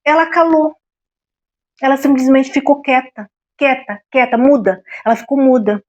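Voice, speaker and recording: A middle-aged woman with a Brazilian accent speaks in a high voice. She tells a personal story on her vlog, confiding and often turning to her listeners to make sure they are following. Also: steady tone, moderate pace, darkish tone. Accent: Brazilian Portuguese. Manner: confiding, repeatedly checks in with the listener. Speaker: vlogger.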